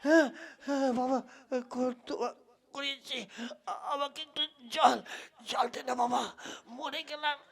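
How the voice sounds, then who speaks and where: A woman's voice: high voice, fairly even intonation, a little slow, vocal fry. A woman voicing a parched, half-dead man who stammers and pleads, in a comic puppet play. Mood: whimpering, weary. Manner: stammering, whimpering, repeats pleas.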